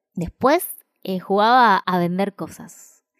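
Recorded dry and close with no echo against a silent background in a very clean recording, a woman speaks at a medium pitch with ordinary pitch variation. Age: 30s. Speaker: podcast host. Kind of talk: solo podcast monologue; reading aloud a draft talk.

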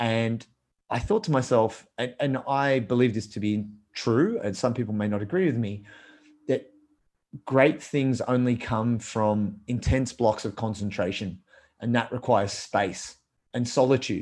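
A man with an Australian accent talks at a fairly slow pace. His pitch sits at a medium level, with ordinary pitch variation. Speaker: Brazilian jiu-jitsu athlete, coach and author. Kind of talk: interview.

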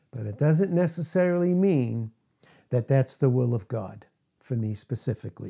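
Moderate, lively speech from a man, fairly high in pitch, with a dark, mellow tone. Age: 60s. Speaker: pastor. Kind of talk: sermon. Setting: church with congregation. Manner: halting.

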